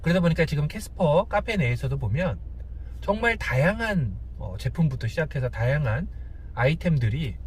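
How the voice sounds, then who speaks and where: A man hosting a casual, unscripted car review, speaking hesitantly with pauses between short phrases. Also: on the high side, lively intonation. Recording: clear background car noise.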